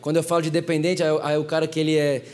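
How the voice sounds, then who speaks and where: A young man with a Brazilian Portuguese accent preaching a sermon, telling stories in an animated way and talking straight to the congregation. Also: on the high side, very fast. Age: young adult.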